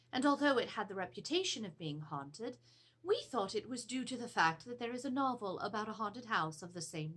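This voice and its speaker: A middle-aged woman playing a troubled Edwardian lady of the house, earnestly and deliberately reading out her letter as drama. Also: mid-range voice, a bit bright, husky. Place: home, before a draped cloth backdrop.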